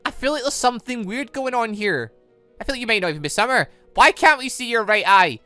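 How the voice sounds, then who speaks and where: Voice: mid-range voice, expressive, quick pace, pushed and bright, clear, resonant tone, soft background music. A gaming channel host giving chatty let's play commentary on a visual novel, full of exclamations and reactions. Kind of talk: let's play commentary with voiced dialogue reading.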